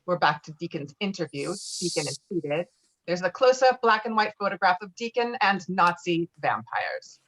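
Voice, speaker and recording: A woman's voice: lowish voice, sing-song, moderate pace, a bit bright, a little hiss or hum, rough recording. A woman reading screenplay directions aloud at a table read in clipped, descriptive phrases. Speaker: stage directions reader.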